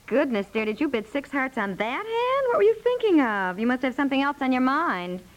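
An actress playing a chatty, sweetly chiding wife in a 1950s radio comedy, genteel and fussing with soothing endearments. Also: female voice, high voice, big pitch swings, a little fast, highs cut off.

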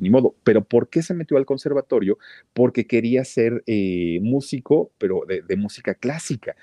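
A man's voice: on the low side, dark tone, no echo, clean studio sound. A man with a Mexican accent, hosting a podcast and retelling a story in a chatty way, full of fillers and restarts. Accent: Mexican Spanish. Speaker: podcast host.

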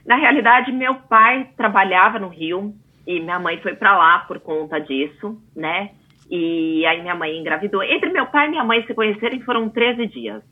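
A Brazilian woman in her forties, a guest in an interview, chatting in a lively way with many asides. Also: medium pitch, moderate pace, husky. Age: 40s. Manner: chatty, animated storyteller with frequent asides. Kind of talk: casual interview talk. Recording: tinny phone-like line.

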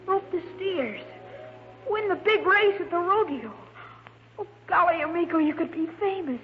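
A woman's voice: very high-pitched, lively intonation, normal speed, noisy background. A woman playing an earnest, eager young cowboy boy in an old radio adventure serial. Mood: dreamy, hopeful. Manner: earnest, pleading. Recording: muffled old radio recording, music behind.

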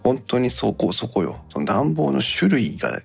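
A man's voice: mid-range voice, very animated, moderate pace, vocal fry, a little mellow, breathy edge, soft background music. A man hosting a podcast about home appliances in casual chat, thinking aloud in short conversational phrases. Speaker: podcast host.

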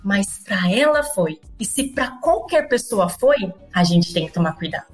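A woman's voice: mid-range voice, normal speed, faint music behind. A woman, a parent educator telling classroom stories on a podcast, acting out dialogue as she goes. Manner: lively storyteller, acts out classroom dialogue. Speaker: parent educator and former teacher. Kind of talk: podcast interview.

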